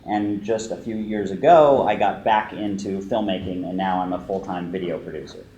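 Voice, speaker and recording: A Bay Area man, a video producer co-presenting a prepared talk, explains things steadily and plainly at normal speed. His voice is low and dark, and the dull audio comes from an echoey room with faint noise.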